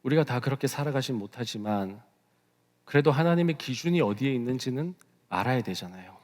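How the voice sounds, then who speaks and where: Animated male pastor in echoing church. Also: medium pitch, brisk. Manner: animated preaching, voicing inner thoughts and God's questions. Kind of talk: sermon. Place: church sanctuary. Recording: long hall reverb.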